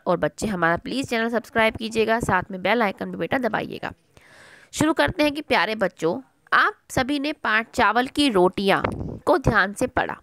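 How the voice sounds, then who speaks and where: A woman's voice: fairly high pitch, a bit bright, dry recording. A middle-aged woman teacher giving an online language lesson to children, patiently repeating words and asking and answering her own questions.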